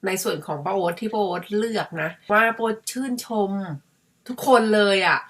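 A woman's voice: mid-range voice, normal speed. A middle-aged woman from Thailand chatting casually to her viewers in a musing, talkative way. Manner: chatty, musing, refers to herself by her own nickname. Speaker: vlogger. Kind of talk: casual chat to camera.

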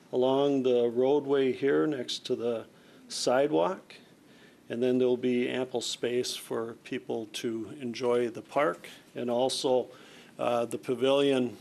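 A middle-aged American man presents formally in a council chamber. His mid-pitched voice has plenty of gravelly fry. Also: level tone, takes it slowly, a little mellow. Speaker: city staff presenter.

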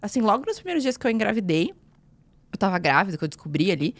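Fast, lively Brazilian woman host. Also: mid-range voice, no room sound. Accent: Brazilian Portuguese. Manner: animated storyteller who acts out quoted lines. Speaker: podcast host. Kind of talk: casual chat.

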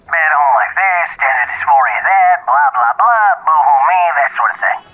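Man acting as sardonic slangy goon, highish lively voice, telephone filter, audio drama. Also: normal speed. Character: glib, wisecracking male henchman reporting to his boss. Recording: thin telephone-line sound.

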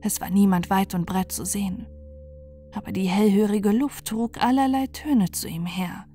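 A woman reading a fairy tale aloud as a calm, soothing bedtime story, with soft music underneath. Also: mid-range voice, slight background noise. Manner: slow, soothing, soft at times.

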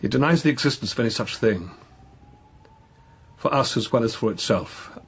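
An actor playing a courteous, doubting Catholic priest investigator in a radio drama, speaking in a measured, hesitant, questioning way. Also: male voice, mid-range voice, lively intonation, creaky, slightly rough. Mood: troubled, pleading. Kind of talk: naturalistic radio drama acting.

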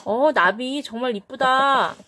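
A woman playing a friendly mixed-breed dog in toy puppet play, gentle and full of questions. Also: high-pitched, takes it slowly, slight background noise, heavily acted.

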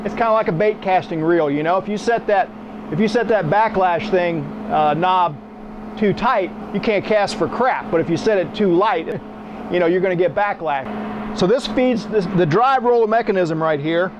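Demonstrating at the machine, this blunt, folksy middle-aged man teaches welding in a small workshop. He speaks at a moderate pace in a high-pitched voice, captured on a muffled recording with background noise.

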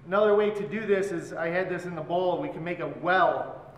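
Chef teaching from across an echoey hall. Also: male voice, high-pitched, brisk. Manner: relaxed, explains while working with his hands. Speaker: chef instructor. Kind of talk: cooking class demonstration. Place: large hotel function room, indoors. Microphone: far camera. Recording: echoey hall, voice from far off, loud background noise.

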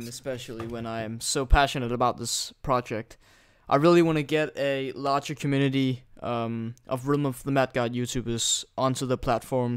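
A man's voice: mid-range voice, clean tone, no echo, clean studio sound. Teen boy with a put-on British accent. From Denmark. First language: Danish. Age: teens. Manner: rambling, joking and crude, with frequent restarts. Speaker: gaming YouTuber. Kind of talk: casual screen-recording tutorial commentary. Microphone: new desktop microphone.

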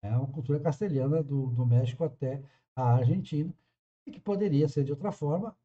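A man in his forties with a southern Brazilian accent, arguing in a measured, firm way on a video call. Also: a little high. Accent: southern Brazilian Portuguese. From Caxias do Sul, southern Brazil. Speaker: channel host. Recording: dull lo-fi call audio.

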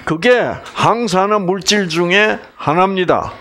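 A man's voice: sits high, unhurried, pushed and bright. A middle-aged man giving a health lecture, asking his audience questions and joking with regional sayings.

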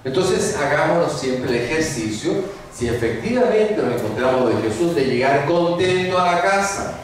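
A man, a priest giving a homily at mass and telling stories with lively acted-out voices. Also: on the high side, normal speed, a little hiss or hum. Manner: lively storytelling, acts out voices. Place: large church. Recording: echoey church from far off.

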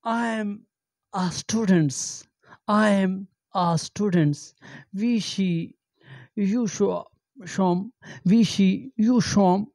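Slow, halting man with handheld mic. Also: high voice, darkish tone, no room sound. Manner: halting, repeats phrases, many fillers. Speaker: language teacher. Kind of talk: amateur language lesson. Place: small indoor room with green backdrop. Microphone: handheld microphone.

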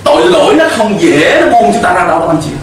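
A man's voice: high-pitched, big pitch swings, quick pace, heavy reverb, recorded from a distance, a little hiss or hum. A middle-aged man preaching a sermon from a church pulpit into a handheld mic, emphatic, with call-and-response to the congregation. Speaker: pastor. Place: church stage with pulpit and cross.

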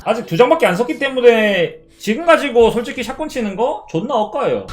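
A young man streaming a mobile baseball game, who swears a lot and shouts at his card upgrades. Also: sits high. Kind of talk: live game streaming chat.

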